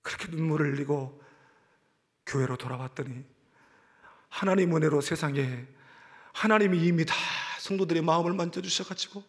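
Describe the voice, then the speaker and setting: Impassioned high-voiced Korean pastor preaching. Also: male voice. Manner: impassioned storytelling, swelling loud then dropping to hushed whispers. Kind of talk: sermon. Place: church sanctuary.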